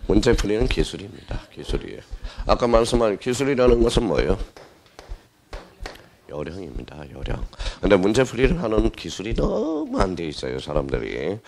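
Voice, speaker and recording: A man's voice: on the low side, wildly swooping pitch, a little fast, creaky, darkish tone, a little hiss or hum. A male exam-prep lecturer teaching a class, who asks the students questions, answers them himself and repeats the key words.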